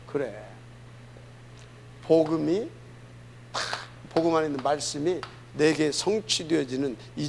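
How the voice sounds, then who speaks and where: A man's voice: on the high side, creaky, slight background noise. A middle-aged male pastor preaching a sermon in a church, earnest and emphatic, often asking the congregation questions.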